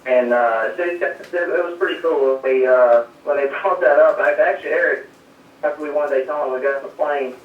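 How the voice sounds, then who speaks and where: A South Carolina race crew chief talks fairly quickly in a fairly high voice as he modestly responds to an interviewer from his home. The call-in line breaks up and fades, with a little hiss or hum, and sounds dull, distant, and echoey.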